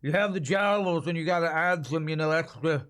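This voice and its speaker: A man's voice: on the high side, normal speed, a bit bright, clean tone, lightly acted. A man voicing a big, fat cartoon game dragon, with a jowly, weighty sound. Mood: lumbering.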